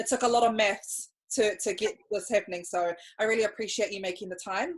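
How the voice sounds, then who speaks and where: Against a quiet background, a woman with a New Zealand accent talks at a fairly quick pace, with a medium pitch and ordinary pitch variation. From New Zealand, Auckland. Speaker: podcast host. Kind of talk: interview. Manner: fast.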